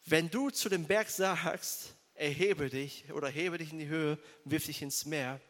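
Male pastor, high-pitched, emphatic direct-address sermon delivery, reverberant hall. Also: a little slow, fairly bright tone. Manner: emphatic, direct address to listeners, repeats key phrases.

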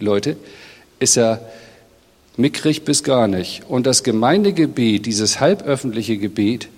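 A middle-aged man, a pastor, giving a sermon in a direct, conversational way and speaking straight to his congregation. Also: mid-range voice. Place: church hall. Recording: long reverb of a church hall.

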